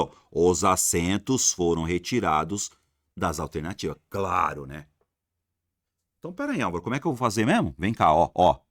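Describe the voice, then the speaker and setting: A man's voice: deep voice, fairly bright tone, dry recording, clean studio sound. A man teaching an exam-prep grammar lesson, repeating rules emphatically and answering imagined student questions.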